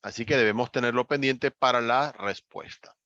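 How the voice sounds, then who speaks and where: A man teaches an English grammar class, patient and methodical, his voice rising on the words he stresses. His pitch sits in an ordinary middle range. The sound is dry and a little muffled, like a modest lo-fi recording. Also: moderate pace, dry recording. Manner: patient, step-by-step explaining with lively rises on key words. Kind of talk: online class explanation. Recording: dull, slightly lo-fi dry recording.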